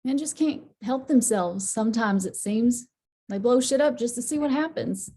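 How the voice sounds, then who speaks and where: A woman's voice: fairly high pitch, normal speed, warm tone, breathy edge. A woman playing a tough, plainspoken miner's wife in a script read, wry and colloquial. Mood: matter-of-fact. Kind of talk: screenplay table read.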